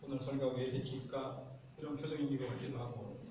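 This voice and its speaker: Pastor preaching in an echoey church. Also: male voice, mid-range voice, fairly even intonation, fast, lo-fi sound, background noise. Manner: folksy storytelling, acts out spouses' voices. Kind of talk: sermon. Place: church sanctuary. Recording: echoey church sanctuary, distant mic.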